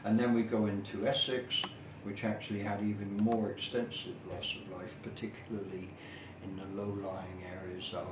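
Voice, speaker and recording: A middle-aged or older man giving an informal, detailed explanatory talk as a local history presenter, in measured, formal phrasing with hesitant pauses. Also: fairly low pitch, little pitch movement. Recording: echoey, noisy room, distant camera microphone.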